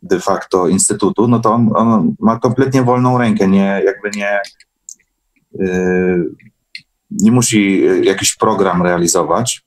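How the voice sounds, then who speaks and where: Low-voiced man, halting casual recollection. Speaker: guest sharing workshop experiences.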